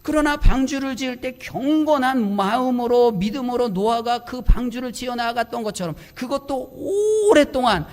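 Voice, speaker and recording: A man's voice: very high voice, moderate pace, few pauses. A male pastor preaching a sermon, telling a personal story and acting out his own inner grumbling.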